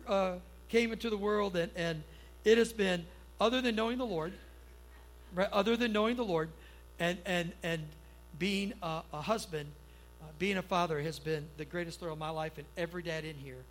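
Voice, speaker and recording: A man's voice: high-pitched, normal speed, rough recording. A middle-aged man, a pastor, preaching to a church congregation in a folksy, storytelling way, often checking in with the crowd, then leading a prayer. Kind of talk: conversational sermon and prayer.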